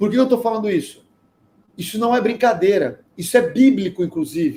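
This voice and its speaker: This man's voice sits high in pitch, with a dark, mellow tone, lively intonation and a fairly quick pace. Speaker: relationship coach. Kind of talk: live stream talk.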